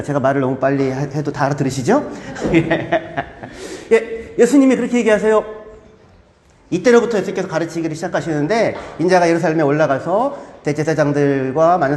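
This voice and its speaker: Animated male pastor in an echoey hall. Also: sits high. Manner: animated, acts out crowds and disciples with shouts. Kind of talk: sermon. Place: church.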